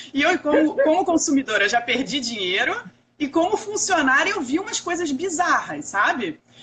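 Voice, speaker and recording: A woman speaks in a high pitch with very wide pitch swings and an animated tone. Her pace is moderate. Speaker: personal finance educator. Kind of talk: casual chat. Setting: Instagram live video.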